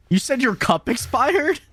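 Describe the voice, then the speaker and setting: Slow, lively-voiced man chatting. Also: extremely high pitch. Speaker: podcast co-host. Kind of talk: casual chat.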